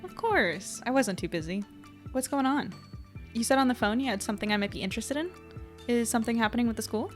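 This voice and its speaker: Hesitant young newspaper editor, bright-pitched woman acting. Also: lively intonation, fast, soft background music, natural voice. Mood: friendly. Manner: casual, hesitant. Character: friendly, self-doubting young woman, small-town newspaper editor. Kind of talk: naturalistic audio drama acting.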